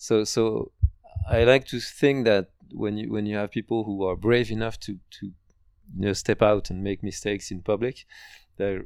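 A man with a French accent talks at a moderate pace and fairly low pitch with fairly even intonation, recorded very cleanly against a silent background. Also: big swings in loudness. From France, Paris. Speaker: software developer. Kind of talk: casual chat.

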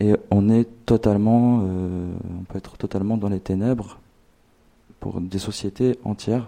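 In a dark, mellow tone, a man speaks very slowly at a fairly low pitch with fairly even intonation. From Morocco. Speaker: baptism candidate. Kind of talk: testimony. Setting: church. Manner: halting.

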